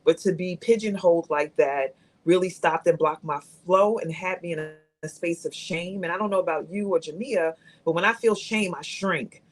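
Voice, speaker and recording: A woman's voice: lowish voice, normal speed, few pauses. A woman in her fifties speaking candidly as a guest on a live talk show, reflective and thoughtful. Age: 50s.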